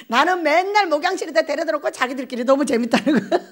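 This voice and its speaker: An older woman pastor preaching a lively storytelling sermon, acting out little exchanges and laughing as she goes. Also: high-pitched, a little fast. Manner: animated, acts out quoted exchanges, laughs often. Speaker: pastor, head of a prayer retreat.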